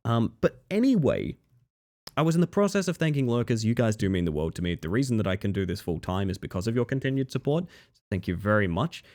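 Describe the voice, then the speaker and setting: A man's voice: lowish voice, big pitch swings, quick pace, darkish tone. A male streamer at the end of a long session, chatting casually with viewers in a sleepy, crackly voice. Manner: friendly, rambling, thanks viewers. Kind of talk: casual stream sign-off chat.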